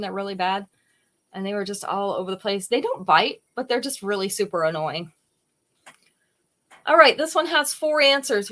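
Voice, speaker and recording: A woman's voice: on the high side, fairly bright tone. A woman hosting a live-stream jewelry sale, chatting casually and greeting viewers by name as she shows each piece.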